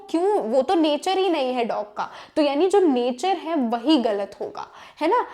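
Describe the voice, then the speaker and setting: Young female tutor, high voice, quizzes her class with questions as she explains. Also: a little mellow. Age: young adult. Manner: explains with rhetorical questions, mixes in English terms. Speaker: teacher. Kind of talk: exam-prep lecture.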